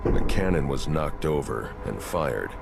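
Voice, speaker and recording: A super deep gravelly caped detective, grim and clipped, game music under it. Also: male voice, sing-song, measured pace, full character voice. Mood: analytical. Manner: terse, clipped investigative monologue. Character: grim brooding masked male vigilante detective. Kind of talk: video game cutscene voice acting.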